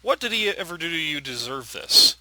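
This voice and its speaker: A man's voice: medium pitch, expressive, fairly quick, pushed and bright, dry recording, rough recording. A man voicing a hurt, defiant teenage daughter in a story game, earnest and confrontational. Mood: hurt, accusing.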